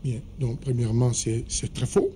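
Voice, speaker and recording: A man's voice: medium pitch, fairly even intonation, normal speed, warm tone, slight background noise. A man arguing his point in a heated studio debate, insisting that he be allowed to finish speaking. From Cameroon. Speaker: political debate panelist.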